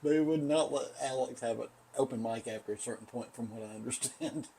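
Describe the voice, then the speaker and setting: Middle-aged man, casual podcast co-host, rambles, swears, hedges his claims, mid pitch. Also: brisk, vocal fry, dark tone, slightly rough. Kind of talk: casual chat.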